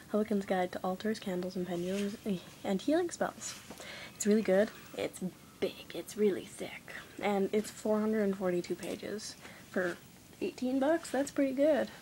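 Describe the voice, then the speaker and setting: A woman's voice: mid-range voice, mellow, slight background noise, poor audio. A young woman vlogging at home, rambling casually with lots of fillers and often slipping into a half-whisper. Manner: chatty, rambling, many "like" fillers. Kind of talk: casual vlog chat. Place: dim room at home lit by candles.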